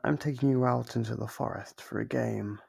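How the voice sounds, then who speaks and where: In an ASMR horror roleplay, a man voices a sadistic monster captor who is playfully menacing, mocking and gloating. His gravelly, husky voice is medium-pitched, steady and darkish, delivered slowly and teasingly.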